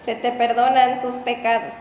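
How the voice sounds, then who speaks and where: A woman's voice: on the high side, level tone, normal speed, a little mellow. Woman reading scripture in an echoey hall. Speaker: scripture reader. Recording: echoey hall with long reverb, faint ambience.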